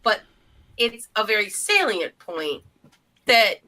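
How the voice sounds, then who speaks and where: A woman's voice: mid-range voice, sing-song, takes it slowly, bright, forceful tone. A middle-aged woman co-hosting a podcast, chatting casually and reminiscing. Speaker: podcast co-host.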